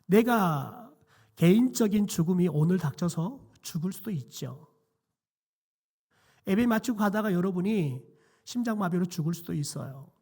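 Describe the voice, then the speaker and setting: A middle-aged man, a pastor, preaching a quiet sermon in a church with a hoarse, nearly lost voice and many hesitant fillers. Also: high voice, expressive, moderate pace. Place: church sanctuary.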